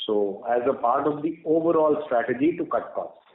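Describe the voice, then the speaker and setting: An echoey, muffled conference line carries a man with an Indian accent and a mid-pitched voice. He answers as a company executive, measured and halting, often pausing mid-sentence to rework his phrasing. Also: animated. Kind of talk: earnings call Q&A, spontaneous explanation. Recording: echoey, band-limited conference call line.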